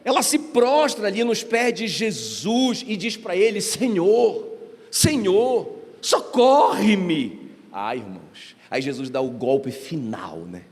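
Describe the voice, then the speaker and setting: A man's voice: fairly high pitch, very animated, a little slow, hardly any pauses. A man preaching a sermon as pastor, emphatic and often addressing the congregation directly. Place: church hall. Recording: reverberant church hall.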